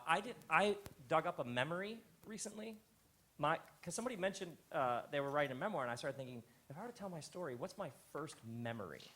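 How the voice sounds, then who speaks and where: A man hosting a live stage talk, a reflective storyteller who drops soft on his key lines. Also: medium pitch. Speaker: host. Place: live theater stage before an audience.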